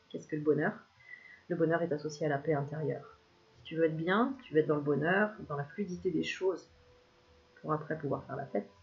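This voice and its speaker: A woman giving a casual spiritual card reading to the viewer, chatty and quick to laugh, self-filmed at home. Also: deep voice. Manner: chatty, laughs often, addresses viewer familiarly. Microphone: self-filmed camera. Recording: slightly dull lo-fi sound, faint hiss.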